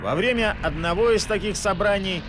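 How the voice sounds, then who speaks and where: A man's voice: sits high, a little fast, noisy background. A man reading scripted documentary narration as the narrator of the film.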